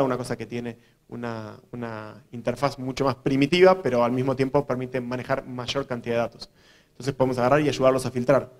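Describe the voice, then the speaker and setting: An Argentine man speaks quickly in a mid-range voice, a programmer giving a conference talk. His delivery is loose and conversational, full of fillers, self-corrections and restarts as he explains things to an audience of journalists. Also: mid-range voice. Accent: Argentine Spanish. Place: university event hall.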